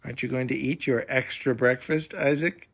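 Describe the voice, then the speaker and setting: A man's voice: mid-range voice, fairly even intonation, moderate pace, creaky, fairly bright tone. A man voicing a playful, skeptical male adventurer in a children's bedtime story, with a teasing, incredulous manner.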